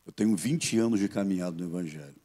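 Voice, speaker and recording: Husky, low-voiced Brazilian pastor. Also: male voice, mellow. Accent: Brazilian Portuguese. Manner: earnest, measured preaching tone. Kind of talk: gospel TV interview testimony.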